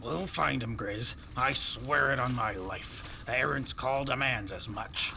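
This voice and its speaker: A man's voice: mid-range voice, measured pace, gravelly, noisy background. A man playing a swaggering, oar-waving errant in an audio drama. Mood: boastful. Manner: loud, swaggering bluster. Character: boastful brawling male errant with an oar.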